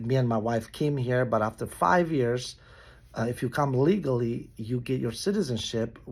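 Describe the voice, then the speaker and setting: Over a silent background in a very clean recording, a man with a Romanian accent talks fairly slowly at medium pitch, with ordinary pitch variation. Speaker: band member. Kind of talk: video statement.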